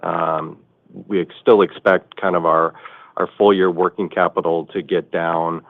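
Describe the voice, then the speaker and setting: A man working as a finance chief, answering earnings call questions in a halting way, often rephrasing. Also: sits low, level tone, vocal fry. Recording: muffled narrowband conference phone line.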